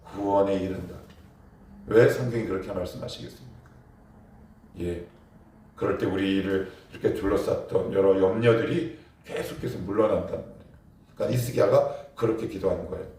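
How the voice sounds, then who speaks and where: A pastor giving an emphatic sermon at a morning prayer service, often asking the congregation questions and prompting them to answer. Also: male voice, deep voice, steady tone, brisk, warm tone. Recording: very echoey church from far off.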